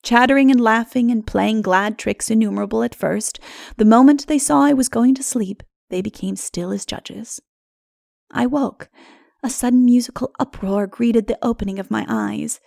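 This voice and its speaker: Female audiobook narrator, heavy vocal fry, highish pitch, measured dramatic delivery, close dry sound. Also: darkish tone, dry recording. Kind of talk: dramatic literary narration of dark fantasy.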